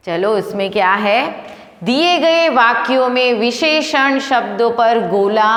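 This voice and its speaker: A woman's voice: mid-range voice, fairly bright tone. A woman teaching a primary school Hindi class, patiently asking questions and answering them herself. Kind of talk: recorded online class lesson. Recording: echoey room with long reverb.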